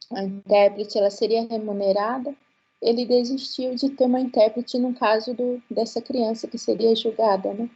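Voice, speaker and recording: Guarani-native woman panelist, husky, earnest and halting, muffled video call audio. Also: fairly high pitch, a little mellow. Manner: earnest, halting with many restarts and fillers. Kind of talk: webinar talk.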